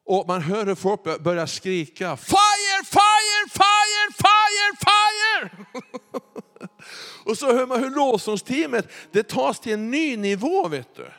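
High gravelly preacher man in echoey hall. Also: hardly any pauses. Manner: animated, building to loud excited peaks. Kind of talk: sermon storytelling. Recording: echoey hall with faint music. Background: faint music.

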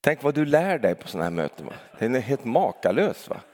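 Guy preaching, keeps asking the crowd questions, lively sermon. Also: mid-range voice. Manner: lively, talks straight to the congregation with rhetorical questions and tag "va?".

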